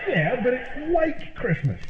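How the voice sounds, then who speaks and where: An actor playing a goofy, eager, dim-witted sidekick in an old-time radio comedy, earnest and silly. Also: male voice, extremely high pitch, huge pitch swings, a little slow, full character voice. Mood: amazed, earnest. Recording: noisy, tinny, echoey radio-style sound.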